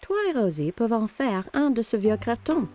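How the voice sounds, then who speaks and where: A woman playing a patient, encouraging mother in a children's cartoon, with a gentle, coaxing manner. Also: a little high, big pitch swings, normal speed.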